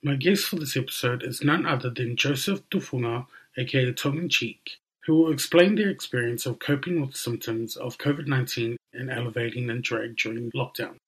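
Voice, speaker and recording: Husky-voiced male podcast host. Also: medium pitch, low-quality recording. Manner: reads from script, clear and measured. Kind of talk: scripted host narration. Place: radio studio.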